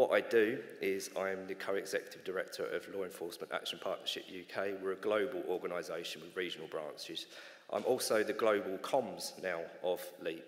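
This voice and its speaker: A man is talking in a British accent. He keeps a fairly quick pace. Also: quiet background. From UK. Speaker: drug policy campaigner. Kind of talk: conference panel discussion. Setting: stage with audience. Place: hall. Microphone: podium.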